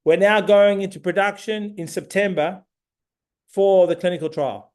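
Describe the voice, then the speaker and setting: A middle-aged man with a fairly high voice delivers a product update as CEO. He talks in punchy, emphatic phrases and lays out his points step by step. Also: moderate pace, a little mellow. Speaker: company CEO. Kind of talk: shareholder update presentation.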